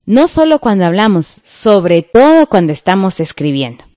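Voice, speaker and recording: A middle-aged woman with a Guatemalan Spanish accent teaches a grammar lesson. Her voice is warm and mellow, recorded dry and close, and she reads each example out slowly and deliberately. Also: medium pitch, sing-song, no echo. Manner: slow, careful, explanatory.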